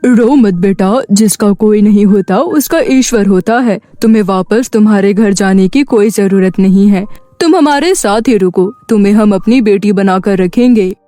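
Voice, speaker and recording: A woman voicing a kindly old male shopkeeper, gentle and fatherly, in a cartoon moral story. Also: medium pitch, normal speed, no room sound, faint music behind, pitched below the performer's own voice, lightly acted. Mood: consoling. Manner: gentle, consoling.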